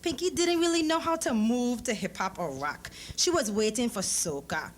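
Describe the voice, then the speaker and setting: A woman reading a story aloud at a live event, in measured, expressive phrases. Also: fairly high pitch, a little hiss or hum. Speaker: author reading a short story at a public event. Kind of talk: dramatic literary reading of narrative prose with acted dialogue. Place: live lecture event before an audience.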